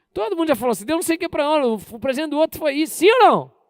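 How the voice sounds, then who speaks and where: A man at an extremely high pitch with very wide pitch swings and a very fast pace. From Brazil, Maringá (Paraná). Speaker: pastor. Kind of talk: sermon. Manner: interactive, questioning audience.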